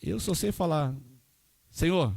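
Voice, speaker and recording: A man's voice: mid-range voice, moderate pace, dark tone. A man, preaching a sermon in a folksy way that keeps checking in with the congregation. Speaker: pastor.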